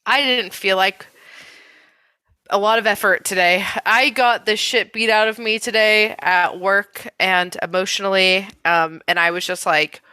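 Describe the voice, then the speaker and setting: A woman's voice: medium pitch, steady tone, measured pace, sharp tone, clean tone, no echo. A young woman co-hosting a casual podcast chat, nasal and blunt, teasing with plenty of swearing. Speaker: podcast co-host.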